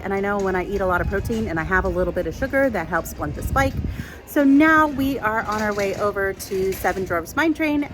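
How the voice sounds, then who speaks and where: Woman vlogger, casual rambling chat, a little stuffy-nosed at times. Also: medium pitch. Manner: chatty, rambling with fillers. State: stuffy from allergies. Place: theme park, outdoors and at home.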